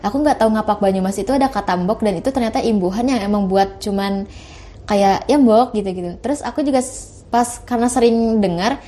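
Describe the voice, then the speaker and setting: A woman's voice: medium pitch, a little fast, warm tone. A young woman, a university student, chatting casually as a podcast guest and laughing through her stories. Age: young adult. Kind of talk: casual chat.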